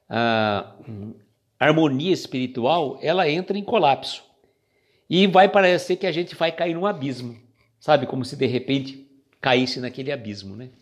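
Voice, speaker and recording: A man with a Brazilian Portuguese accent who reads passages from a spiritual book slowly, then explains them in a casual chatty way. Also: medium pitch. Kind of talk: casual reflective reading and commentary.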